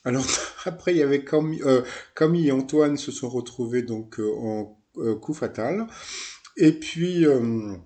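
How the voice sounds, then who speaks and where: A man talks through a recap of a TV quiz show in a loose, chatty way. His voice is mellow and dark, and he keeps stopping for fillers, side remarks and self-corrections. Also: mid-range voice, moderate pace. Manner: rambling, many fillers, asides and self-corrections. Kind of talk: casual recap commentary.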